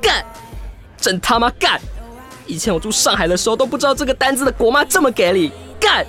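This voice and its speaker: A man's voice: very high voice, a little fast, faint music behind, heavily acted. A man with a Taiwanese Mandarin accent acting a jilted, sarcastic, hot-tempered gay lover in a modern radio drama. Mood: outraged, bitter. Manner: expressive, swearing, muttering to himself.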